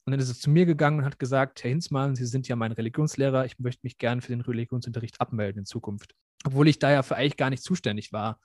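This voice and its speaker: A man's voice: medium pitch, steady tone, fast talker, a little mellow, dry recording. Young man, student teacher guest, reflective, earnest, dry recording. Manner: reflective, earnest, many fillers. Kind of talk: podcast interview.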